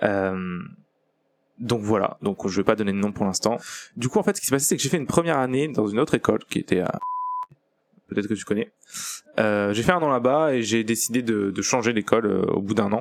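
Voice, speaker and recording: A man at a medium pitch and fairly quick pace, with ordinary pitch variation and long, frequent pauses. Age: 20s. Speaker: 3D animation trainer, podcast host. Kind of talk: casual monologue podcast. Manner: casual, hesitant with fillers.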